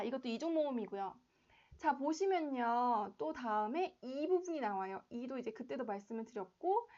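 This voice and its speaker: A woman's voice: high voice, darkish tone, lo-fi sound. A woman teaching English vowel pronunciation in a casual online lesson, repeating each vowel sound to demonstrate it.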